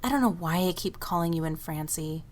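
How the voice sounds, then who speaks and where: A woman's voice: lowish voice, expressive, fairly quick, close to an everyday voice. A woman playing an anxious, restless young woman in an audio drama, fretful and exasperated. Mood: worried. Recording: faint noise and room ambience.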